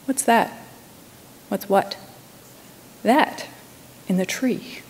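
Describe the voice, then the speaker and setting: A woman voicing a curious, chatty three-year-old girl who talks eagerly in a high, sing-song way. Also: extremely slow, a little mellow, long reverb tail.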